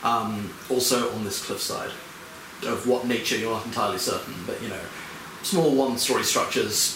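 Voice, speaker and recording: A medium-pitched male voice with noticeable background noise. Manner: vivid, theatrical storytelling with hesitant, filler-laden pauses and playful asides; slow, suspenseful scene-setting that builds to dramatic reveals.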